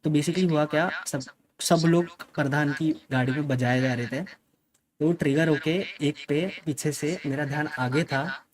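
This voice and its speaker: A young man with a slightly higher voice speaks straight to his viewers in a casual way. His talk is emphatic and insistent, switching into English phrases mid-sentence. He keeps coming back to "okay" to push his point. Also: unhurried. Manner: mixes Hindi with English phrases. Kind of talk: casual spoken account to viewers.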